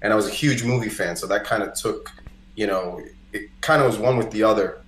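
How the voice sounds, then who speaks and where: A man's voice: fairly low pitch, fairly quick. A man from Costa Rica, a native Spanish speaker, chatting casually and telling personal stories as a podcast guest, with lots of "like" and "you know". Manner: conversational, peppered with "like" and "you know". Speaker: podcast guest, singer-songwriter. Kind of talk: casual chat, personal storytelling. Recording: roomy, echoey indoor sound.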